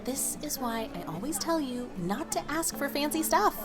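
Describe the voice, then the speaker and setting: A brisk young woman traveler in an audio drama, with a teasing manner. Her voice is slightly high and very animated in pitch. Music runs behind it. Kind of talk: naturalistic audio drama dialogue.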